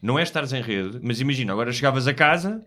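A man's voice: medium pitch, lively intonation, fast talker, pushed and bright. A man with a European Portuguese accent explaining ideas in casual conversation, often checking that he is understood.

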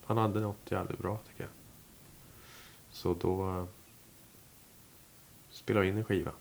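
A musician guest talks in a relaxed interview, rambling casually with many fillers and restarts. His low voice is flat with vocal fry, and there's a little hiss or hum in the recording.

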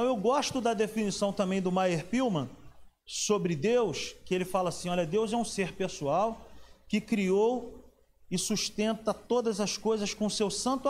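A man's voice: sits high, a little mellow. A man preaching a sermon in a conversational way, often asking the audience questions.

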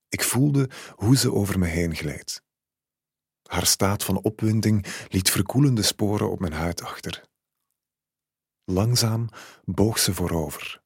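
A man reads a literary short story in a calm, measured first person. His voice sits low and a little husky. The recording is dry and close, with no room sound. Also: dry recording. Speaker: narrator.

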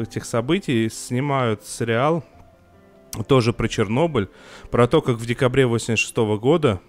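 A young man talks through TV series on a casual podcast, getting worked up and tripping over his words with restarts and filler sounds. His voice sits at an ordinary pitch for a man, with faint music underneath. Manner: hesitant and emotional, with frequent restarts and filler sounds. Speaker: podcast co-host reviewing TV series.

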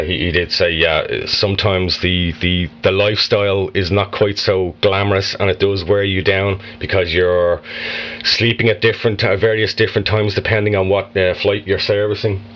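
A man with a fairly low voice hosting an interview, his questions halting and full of fillers and restarts. The audio is slightly dull with a faint hiss underneath. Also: a bit bright. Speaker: podcast host.

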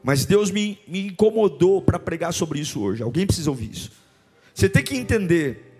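A man's voice: sits high, big pitch swings, moderate pace, darkish tone, husky, soft background music. A man preaching a sermon in church with a Brazilian Portuguese accent, building his points through repeated, impassioned declarations. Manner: impassioned, repetitive rhetorical declarations. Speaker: pastor.

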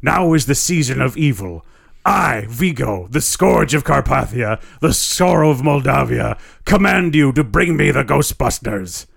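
A man voicing an ancient sinister spirit with a rasping, slow, menacing voice. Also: medium pitch, lively intonation, full character voice. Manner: slow, grave, menacing delivery.

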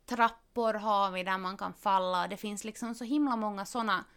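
A woman, a parent expecting her fourth child, chatting casually and telling stories with quick, animated asides. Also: mid-range voice, smooth. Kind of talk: casual podcast conversation.

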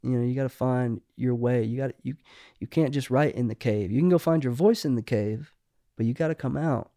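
A man's voice: mid-range voice, a little fast, dark tone, no room sound, studio quality. A middle-aged man, a songwriter guest, talking casually and rambling with many restarts. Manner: rambling, restarts often, says "you know" a lot. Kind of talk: casual podcast conversation.

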